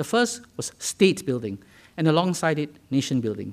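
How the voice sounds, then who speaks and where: The voice carries vocal fry. Its pitch swings very widely. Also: man. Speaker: history professor. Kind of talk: lecture. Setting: lecture hall with audience.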